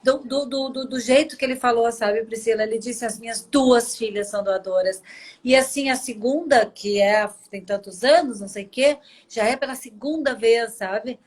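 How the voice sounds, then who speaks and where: A Brazilian woman in her forties hosts a live video chat, sharing personal stories with emotion in a warm, chatty way. Her voice sits on the high side, with a Brazilian Portuguese accent, normal speed, and few pauses, heard through a video call mic.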